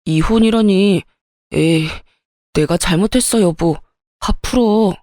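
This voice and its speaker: A woman voicing an easygoing, dismissive young husband, speaking in a lowered, placating tone. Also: takes it slowly, dark tone, no echo, clean studio sound, close to an everyday voice. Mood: pleading.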